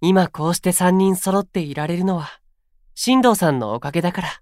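A man acts out a sweet, earnest young male idol in a Japanese voice drama. He speaks softly and politely in a light, boyish voice, recorded dry and close. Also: sits high, brisk, no echo, lightly acted. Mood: fond. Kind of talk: Japanese anime-style voice drama acting.

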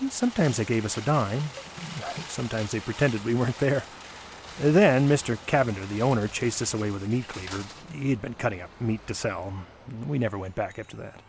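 A man reading a nostalgic memoir aloud as a storyteller, in a dramatic, measured way with deliberate pauses and emphasis. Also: mid-range voice, a little mellow.

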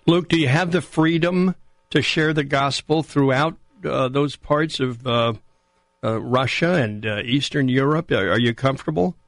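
A man hosting an interview, putting questions in a halting, deliberate, drawn-out way. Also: mid-range voice, no echo. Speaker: radio interview host.

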